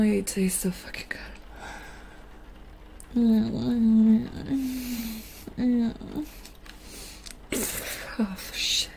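Slow, gravelly-voiced woman whispering softly. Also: a little high, slight background noise. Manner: soft, seductive, teasing whisper. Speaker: audio roleplay performer. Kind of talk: intimate whispered audio roleplay.

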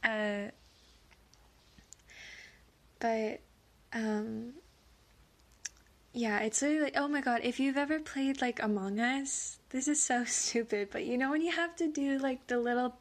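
Woman, high-ish, slow, sniffly; nervous halting ramble with stammers, giggles and whispered asides. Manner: drops into soft whispers at times; giggles often. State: sniffly from allergies. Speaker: audio creator. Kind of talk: rambling casual monologue.

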